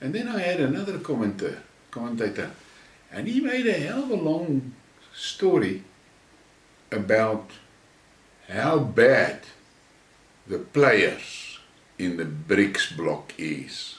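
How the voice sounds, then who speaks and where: Amid noticeable background noise and audible room echo, a man with a South African accent speaks at a very slow pace, with long, frequent pauses. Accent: Afrikaans South African English. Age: 70s. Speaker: political commentator vlogger. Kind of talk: opinion rant monologue. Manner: heated, emphatic.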